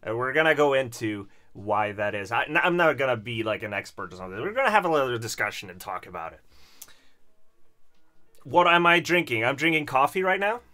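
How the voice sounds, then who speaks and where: A man's voice: medium pitch, very animated, brisk, bright, forceful tone, soft background music. A man, hosting a casual livestream chat and reading viewer comments in a chatty, self-deprecating way. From Sweden. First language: Swedish. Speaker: livestream host.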